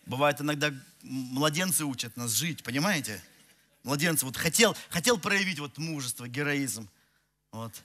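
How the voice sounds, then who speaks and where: This forties-aged pastor speaks at normal speed in a bright, forceful voice on the high side, full of expression. Through a headset mic he preaches to a church hall audience, walking and gesturing as he shares a self-mocking, funny story with many restarts.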